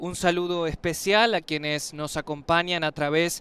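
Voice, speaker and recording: A man speaks at a fairly slow pace, his voice dry with no echo. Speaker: radio commentator. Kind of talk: broadcast commentary. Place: studio.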